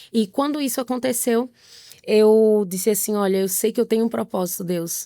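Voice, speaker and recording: Ordinary pitch variation and a dark, mellow tone come through in a slight northeastern Brazilian accent. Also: woman, fairly high pitch for a woman, moderate pace. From Northeast Brazil. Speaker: missionary. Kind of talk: testimony.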